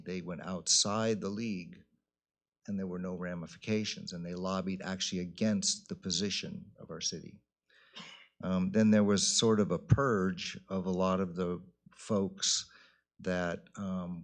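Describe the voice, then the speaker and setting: Deep, gravelly man chairing a meeting. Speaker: mayor chairing a city council meeting. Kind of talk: informal public meeting remarks. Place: council meeting room.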